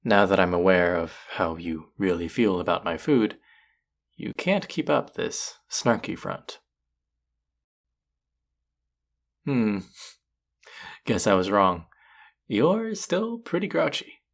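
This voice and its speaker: A man's voice: sits low, very animated, slow, creaky, heavily acted. A man acting a cocky, teasing male chef in an intimate romantic audio roleplay, speaking to his rival and love interest.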